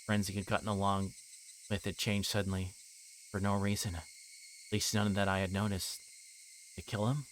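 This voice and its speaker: A man livestreaming a visual novel, reading it aloud and chatting to viewers in a hesitant, halting way. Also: lowish voice, level tone, a little hiss or hum, low-quality recording.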